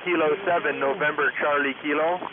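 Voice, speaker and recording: Higher-pitched man calling on narrow shortwave radio. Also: steady tone, fairly quick, noisy background. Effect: shortwave radio transmission. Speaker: amateur radio operator calling. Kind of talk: repeated phonetic callsign calls.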